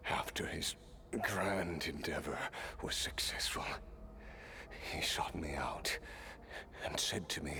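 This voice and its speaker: A man playing a weary, stoic immortal warrior in a video game, speaking in a measured, wry way. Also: extremely low pitch, sharp tone, whispered, full character voice. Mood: wistful, reflective. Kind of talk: scripted game character dialogue.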